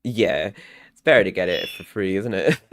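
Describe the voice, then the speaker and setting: A man's voice: fairly low pitch, huge pitch swings, unhurried, slight background noise. A young man giving casual let's-play commentary as a YouTuber, rambling and chuckling often. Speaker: gaming YouTuber. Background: game music.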